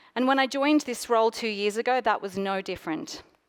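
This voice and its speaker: Speaking fairly quickly in an Australian accent, a woman with a fairly high pitch and lively intonation comes through on a very clean recording with a silent background. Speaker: design leader. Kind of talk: conference talk.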